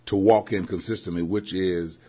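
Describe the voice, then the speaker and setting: A man co-hosting a Christian radio show, preaching fervently, building emphasis and slowing down on key phrases. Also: low voice, steady tone, very noisy. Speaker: co-host, preacher. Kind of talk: preaching in conversation. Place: radio studio.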